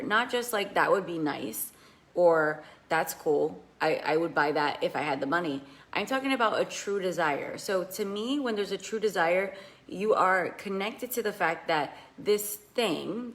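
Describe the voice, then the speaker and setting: A slightly raspy woman giving an earnest coaching talk on a live video, asking her listeners questions. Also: fairly low pitch. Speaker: money mindset coach. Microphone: phone held in hand.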